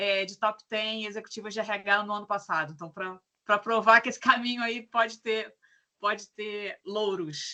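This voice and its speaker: A fairly high-pitched woman with a Carioca accent, bright and sharp in tone, at a moderate pace. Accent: carioca Rio de Janeiro. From Rio de Janeiro, Brazil. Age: 50s. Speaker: HR executive, former finance professional. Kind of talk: talk at online meetup. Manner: hesitant, many fillers.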